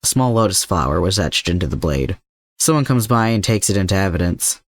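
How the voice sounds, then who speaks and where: A man's voice: low voice, lively intonation, brisk, no room sound, clean studio sound. A man reading scripted fiction aloud as the narrator of an adventure story. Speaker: fan fiction podfic narrator.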